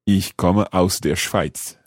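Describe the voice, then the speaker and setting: Male lesson host, very low husky voice, careful slow enunciation, dry close sound. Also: fairly even intonation, no room sound. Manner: careful, enunciating learner pronunciation. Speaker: language course host. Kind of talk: podcast language lesson, repeating phrases slowly.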